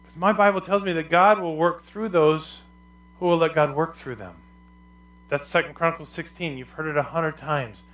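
Loud, emphatic male pastor preaching. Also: a little high, moderate pace. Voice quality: loud, carrying voice. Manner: emphatic preaching with repeated parallel phrases. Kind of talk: sermon.

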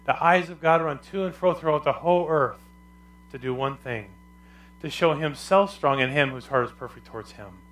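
A male pastor preaching a sermon with a loud, carrying voice and emphatic, repetitive phrasing. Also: fairly high pitch, normal speed, rough recording.

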